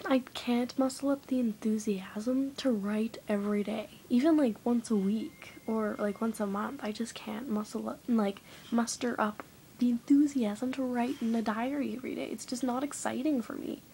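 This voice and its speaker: A woman's voice: a little high, steady tone, normal speed, vocal fry, mellow, a little hiss or hum, low-quality recording. Young woman chatting, often half-whispering. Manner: chatty, rambling, many "like" fillers. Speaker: vlogger. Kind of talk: casual vlog chat. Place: dim room at home lit by candles.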